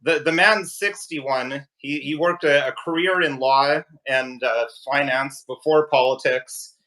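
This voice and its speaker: A man hosting a live-stream interview over his phone, talking in an animated, ranting way. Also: mid-range voice, unhurried, poor audio. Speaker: talk show host.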